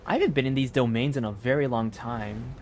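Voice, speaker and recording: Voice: mid-range voice, a little fast, a little mellow, a little hiss or hum. A game livestreamer giving casual, off-the-cuff commentary while playing. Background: game music.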